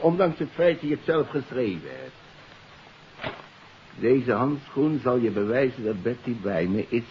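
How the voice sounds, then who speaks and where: A muffled, faintly hissy old radio play. A male actor plays a menacing crook with a mid-pitched voice, pressing and accusing like an interrogator. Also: natural voice. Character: threatening, suspicious male crook, father of missing daughter. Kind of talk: 1950s radio drama acting.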